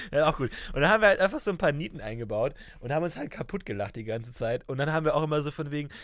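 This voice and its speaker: Lively intonation marks this man's fairly high-pitched voice. He speaks at a very fast pace on a very clean recording with a silent background. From Munich, Bavaria. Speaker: podcast co-host. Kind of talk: casual chat.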